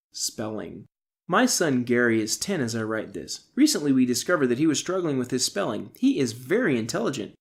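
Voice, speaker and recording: A middle-aged man, an author, reads his self-help audiobook in a deliberate, instructional way, stressing key terms. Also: medium pitch. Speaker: author reading own audiobook.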